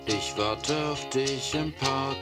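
A woman playing a melancholic addict waiting around, singing slowly in a radio play. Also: very deep voice. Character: melancholic drug user singing while waiting for a dealer. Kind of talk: slow song in a radio play. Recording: loud guitar music over voice.

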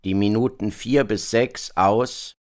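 A man presenting on radio with measured, scripted narration in clipped announcements. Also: on the low side, fairly even intonation, clean tone.

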